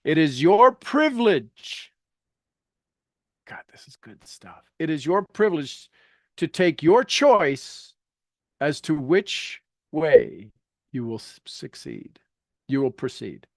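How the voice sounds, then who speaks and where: Male coach, slightly high-pitched, blunt and informal, prodding a class, dry recording. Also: sing-song, slow, dry recording. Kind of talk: informal coaching talk mixed with reading aloud from a book.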